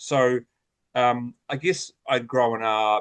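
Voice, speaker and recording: Here is a man with a New Zealand accent. The sound is dry and close, with no echo. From New Zealand, lower North Island. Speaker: life coach. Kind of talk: podcast interview. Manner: hesitant, many fillers and repetitions.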